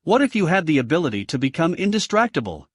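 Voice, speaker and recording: A man with a Greek accent reads a self-help audiobook in a lively, expressive way, often addressing the listener with questions. His voice sits a little high and moves a lot. The recording is close and dry, with no room sound. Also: fast, husky, no room sound. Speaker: audiobook narrator.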